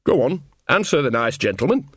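A man's voice: mid-range voice, big pitch swings, brisk, a bit bright, breathy edge, dry recording, studio quality. A man voicing a shrewd, folksy old woman witch who talks bluntly and defiantly in a storybook reading. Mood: brisk, calmer.

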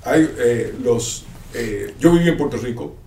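A man's voice: mid-range voice, animated, a little slow, gravelly, mellow. Cuban man telling jokes in echoey room. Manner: storytelling, jokey, with many fillers. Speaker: guest. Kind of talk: casual conversation. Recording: roomy, distant, faint noise.

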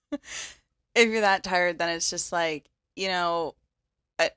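A woman's voice: fairly low pitch, a bit bright, clear, resonant tone, dry recording. A young woman co-hosting a podcast in casual chat, playful and joking, recorded close on a studio mic. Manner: playful, mimics accents, self-conscious about her words. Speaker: podcast co-host.

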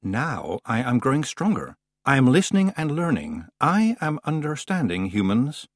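A man reading an audiobook, voicing a faint, cold male winter spirit who speaks slowly and in a hush. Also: medium pitch, wildly swooping pitch, no room sound, clean studio sound, pitched above the performer's own voice. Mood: eerie.

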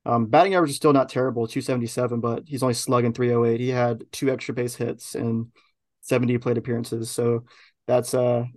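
A man's voice: medium pitch, brisk. A man hosting a podcast, chatting casually about a baseball team's week, talking loosely with lots of ums and restarts. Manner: relaxed, rambling with many fillers. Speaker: podcast host. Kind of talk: casual sports chat.

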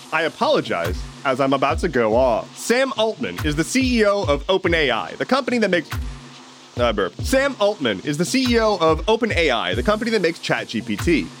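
A sarcastic American man in his thirties hosts casual daily news commentary, running through the day's stories in a high, lively voice that swings all over the place. He adds dry, opinionated asides while faint music plays underneath.

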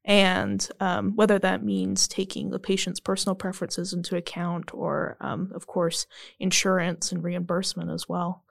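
Gravelly-voiced young woman interviewer. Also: on the low side, little pitch movement, moderate pace, dry recording, studio quality. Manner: friendly, casual, with ums. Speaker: student interviewer. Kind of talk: interview conversation.

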